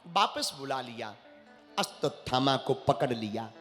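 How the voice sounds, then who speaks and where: A man's voice: medium pitch, lively intonation, measured pace, a bit bright. A man preaching a devotional sermon, telling stories dramatically and sometimes singing verses. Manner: dramatic storytelling with sung verses. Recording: echoey hall with faint music.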